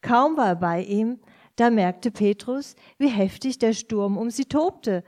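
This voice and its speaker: A woman's voice: fairly high pitch, a little mellow. A woman reading scripture and interpreting a sermon phrase by phrase, following the preacher closely.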